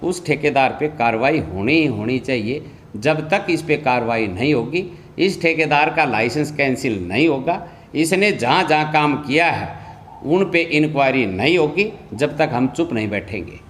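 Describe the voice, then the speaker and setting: A man's voice: medium pitch, animated, normal speed, fairly bright tone, a little hiss or hum. A man speaking as a local politician making a statement to reporters, insistent, repetitive and accusatory. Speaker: local politician and anti-corruption campaigner.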